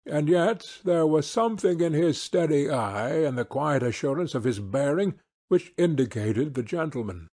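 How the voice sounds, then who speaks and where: Guy reading a classic novel, measured and formal, voice a bit high with a husky edge. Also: lively intonation, darkish tone. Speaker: audiobook narrator. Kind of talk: scripted literary narration.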